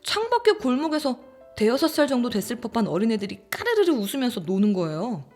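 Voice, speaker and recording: An actress playing a young office worker who recounts an eerie experience in a conversational way, in a horror audio drama. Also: female voice, a little high, faint music behind. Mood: drowsy, puzzled. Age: young adult. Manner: conversational, animated narration with drawn-out murmurs and whispers.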